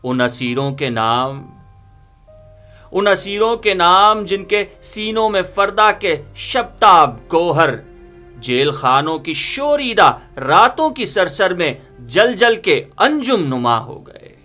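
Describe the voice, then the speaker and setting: A middle-aged man recites verse as a dramatic reading, solemn and deliberate in his phrasing. His voice is bright and intense, set a little high for a man. Soft music plays behind him. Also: very animated. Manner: theatrical, solemn, deliberate phrasing with repeated lines. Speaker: poetry reciter. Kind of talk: dramatic reading of Urdu poetry. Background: background music.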